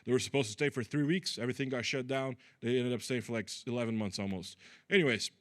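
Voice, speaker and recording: A man's voice: medium pitch, fast, dry recording. Brazilian-born man doing dry stand-up. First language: Portuguese. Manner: deadpan, crude punchlines with frequent fillers. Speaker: stand-up comedian. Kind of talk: stand-up comedy set. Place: comedy club stage.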